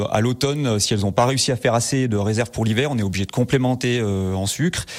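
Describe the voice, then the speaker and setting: The recording is very clean, with a silent background. A man speaks at a fairly quick pace in a normal speaking voice with ordinary pitch variation. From Savoie, French Alps. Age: 40s. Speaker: beekeeper. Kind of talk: radio interview.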